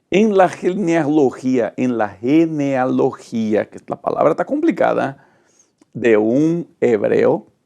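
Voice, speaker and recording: A man's voice: mid-range voice, creaky, dark tone. A middle-aged male pastor, teaching a Bible study lesson with dramatic, emphatic delivery and rhetorical lists.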